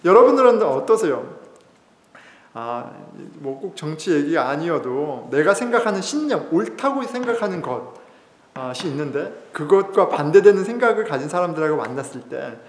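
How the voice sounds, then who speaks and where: A man's voice: a little high, sing-song, moderate pace. A male pastor giving a sermon in a church, telling stories in a conversational way with fillers and chuckles. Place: church sanctuary. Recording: echoey hall reverb.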